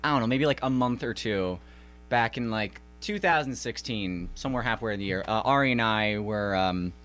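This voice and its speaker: A nineteen-year-old American man, a bassist, talking in a rambling, laid-back way in a radio studio interview. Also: normal speed, fairly bright tone, soft background music.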